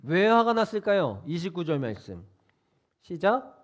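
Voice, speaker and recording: A man's voice: high voice, sing-song, unhurried. A man preaching to teenagers as youth pastor in a casual, conversational way, quizzing his listeners and prompting them to repeat after him. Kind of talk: interactive youth sermon. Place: church sanctuary.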